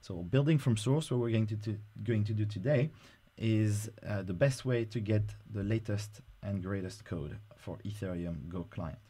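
Brief: male presenter, low mellow voice, relaxed screen-recording tutorial delivery with filler words. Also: moderate pace, hardly any pauses, husky. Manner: casual, explanatory, frequent "uh" fillers.

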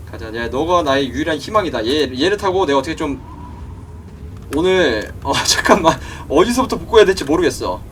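A young man doing let's play commentary, excitable, talking to game creatures and yelping when startled. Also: fairly high pitch, slight background noise. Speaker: gaming YouTuber.

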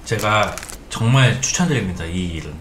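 A man's voice: fairly low pitch, moderate pace, a little hiss or hum. A man, a webtoon artist, chatting casually and telling stories while chewing with his mouth full. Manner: lively storyteller. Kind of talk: casual chat while eating.

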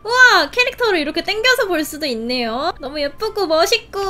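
A young woman hosting a casual game play video, gushing and giggling with excited exclamations. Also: very high-pitched, moderate pace. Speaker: game channel host. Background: game music.

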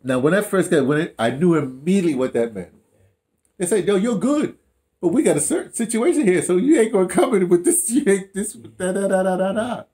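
An older man with an American accent chats casually, telling stories in an animated, rambling way with repeated phrases and slangy asides. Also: high voice, fairly quick. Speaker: interviewee, audio dramatist. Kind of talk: casual chat, storytelling. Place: small room indoors, seated.

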